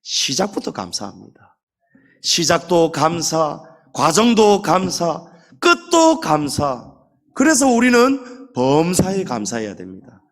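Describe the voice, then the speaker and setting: A male pastor preaching a Sunday sermon. He speaks emphatically, addresses the congregation directly and slows down to stretch key words. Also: fairly high pitch, huge pitch swings, fairly bright tone.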